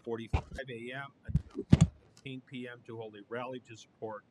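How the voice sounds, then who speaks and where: A man's voice: mid-range voice, fairly even intonation, a little fast, slight background noise. A man serving as county commissioner, questioning a request bluntly and skeptically. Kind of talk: official questioning at a public meeting. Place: county board meeting chamber.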